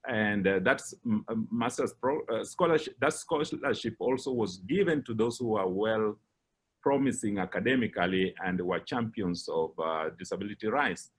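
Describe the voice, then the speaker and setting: A middle-aged man with a Kenyan English accent, giving a personal account as a guest speaker, measured and pausing with frequent fillers. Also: fairly low pitch, breathy edge. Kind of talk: personal account in a lecture talk.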